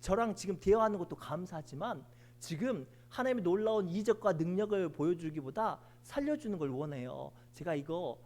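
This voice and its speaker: A man's voice: high-pitched, animated, a little fast, darkish tone. A preacher playing a desperate man begging for rescue. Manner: begging, urgent. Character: desperate pleading man clinging to a cliff branch.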